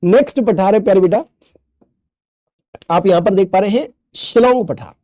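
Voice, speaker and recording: A man's voice: sits high, normal speed, warm tone, no echo, studio quality. A male teacher giving a recorded class, playful, repeating key terms and asking the class questions. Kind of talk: recorded online class lecture.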